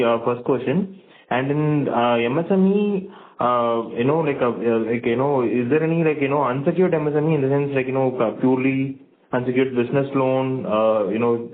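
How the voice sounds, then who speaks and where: A man, an analyst on a conference call, heard over a phone line and asking questions hesitantly, full of "like, you know" fillers. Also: medium pitch.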